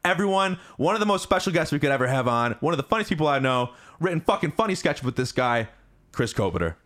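A young man hosts a comedy podcast, his voice sitting a touch high and swinging widely as he gets excited. He teases his guest and swears freely in loose, joking chat. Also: fast. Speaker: podcast host.

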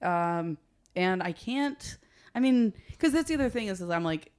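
A woman's voice: mid-range voice, lively intonation, normal speed, darkish tone, clear, resonant tone. A young woman, a comedian guest, chatting casually on a podcast, laughing often and trailing off with filler words.

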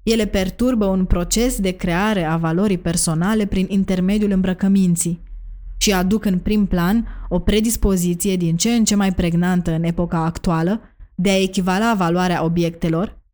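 A woman narrating an academic essay in a measured, even delivery. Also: on the low side. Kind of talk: reading an academic essay aloud.

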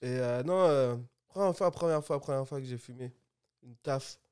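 A man's voice: medium pitch, moderate pace, smooth. Laid-back man from Guadeloupe. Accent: Guadeloupean French. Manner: relaxed, laid-back, mixes English slang. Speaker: guest music producer. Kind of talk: casual podcast chat.

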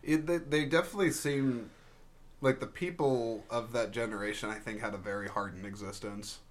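A man in a loose, casual conversation who rambles and restarts his sentences. He reads things aloud from web searches as he goes, in a voice of ordinary pitch. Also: fairly even intonation, normal speed. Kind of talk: casual chat.

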